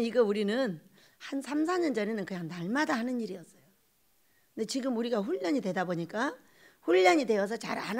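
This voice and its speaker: Woman pastor, sermon, high voice, gravelly edge, animated delivery, acts out voices. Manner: animated preaching, acts out quoted voices, laughs often.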